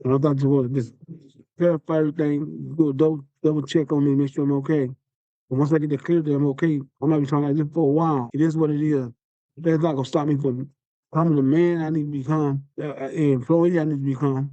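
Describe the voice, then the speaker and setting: A man delivers a motivational podcast talk in a rapid, earnest rush, repeating himself to drive each point home. His words come out slurred from facial palsy, in a somewhat raised but dark, mellow voice. The dry, muffled lo-fi recording has no room sound. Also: on the high side, flat delivery, no echo. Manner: earnest, repetitive, encouraging. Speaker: podcast host. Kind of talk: motivational monologue.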